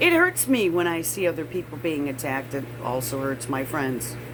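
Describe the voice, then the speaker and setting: There is noticeable background noise while a woman talks at a moderate pace. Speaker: vlogger. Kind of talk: personal monologue. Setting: video recording. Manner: halting; stutter.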